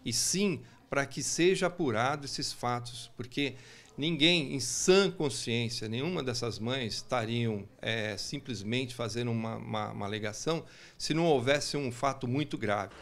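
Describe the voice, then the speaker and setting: A man's voice: mid-range voice, moderate pace, a bit bright. Man speaking formally as a lawyer. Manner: formal, legalistic phrasing with restarts. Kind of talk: news interview statement.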